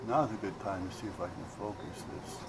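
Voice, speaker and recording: Low-voiced man over steady background noise. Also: brisk. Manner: rambling, thinking aloud. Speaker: electronics repair hobbyist showing his work. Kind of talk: casual unscripted repair vlog.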